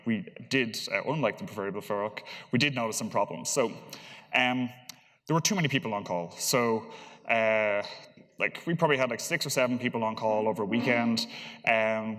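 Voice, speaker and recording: A man's voice: mid-range voice, fairly bright tone. Male conference speaker, informal and hesitant in delivery, recorded with noticeable hall reverberation. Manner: hesitant, halting delivery with repeated words. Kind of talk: informal technical conference presentation. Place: large conference hall, on stage.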